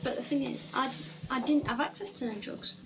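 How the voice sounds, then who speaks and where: A woman's voice: high voice, fairly quick, gravelly. A woman in her twenties giving short, defensive answers as a suspect, heard on an old interrogation tape recording. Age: 20s. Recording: distant voice on archive interview tape with music over it.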